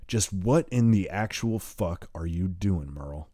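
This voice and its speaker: A man voicing a hot-tempered, foul-mouthed armed man who shouts threats. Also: deep voice, lively intonation, a little slow, no room sound, clean studio sound. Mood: menacing.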